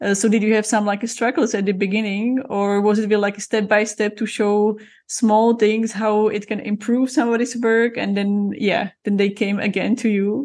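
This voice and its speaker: Against a quiet background, the speech comes at a moderate pace in a monotone, flat intonation with hardly any pauses. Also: woman, fairly high pitch for a woman. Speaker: podcast host. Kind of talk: interview conversation.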